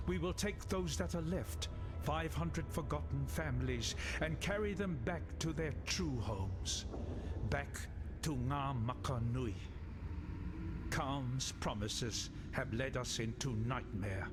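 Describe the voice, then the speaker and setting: A solemn tribal warrior in a fantasy game. He speaks gravely, with a mid-pitched voice and slightly slow, measured delivery, telling his tale like an elder statesman over prominent music. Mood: solemn resolve. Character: solemn male tribal warrior lamenting his people's deception. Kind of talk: dramatic video game dialogue.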